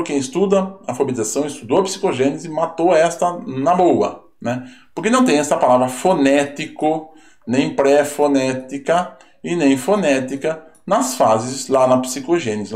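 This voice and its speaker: A man's voice: on the high side, moderate pace, a little mellow. A man teaching an online lesson that reviews exam answers, talking casually and tagging sentences with little questions, with a Brazilian Portuguese accent. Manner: conversational, asks rhetorical questions, tag words. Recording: roomy echo.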